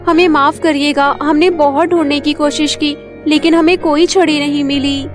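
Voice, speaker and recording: A woman's voice: high-pitched, steady tone, moderate pace, music in the background, natural voice. A woman voicing an earnest, concerned village girl in a cartoon story. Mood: apologetic.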